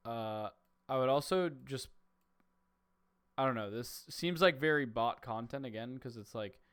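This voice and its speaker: A man's voice: medium pitch, unhurried, a bit bright, clear, resonant tone. A man in his twenties hosting a casual call, giving frank, laid-back advice in short replies. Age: 20s. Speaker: host.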